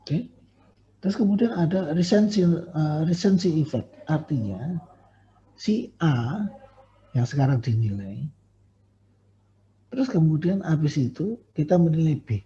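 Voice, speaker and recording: Guy lecturing, chatty, lots of ums and corrections, deep dark tone, muffled recording. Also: expressive, unhurried, pauses often. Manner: conversational, many fillers and self-corrections. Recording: dull lo-fi recording.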